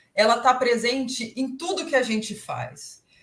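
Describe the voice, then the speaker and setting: A woman speaks at a very slow pace. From Brazil. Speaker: podcast co-host, business partner. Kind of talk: casual chat.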